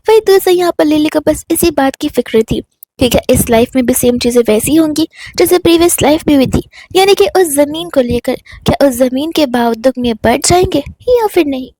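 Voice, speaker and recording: High-voiced woman recapping a drama. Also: a little mellow, no echo. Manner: retells scenes in Hindi mixed with English words. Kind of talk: casual storytelling recap.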